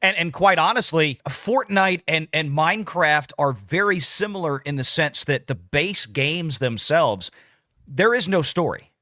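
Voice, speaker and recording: Halting man with a bright, crisp edge. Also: a little high, lively intonation, no echo, clean studio sound. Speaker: talk show panelist covering box office news. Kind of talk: casual analytical discussion.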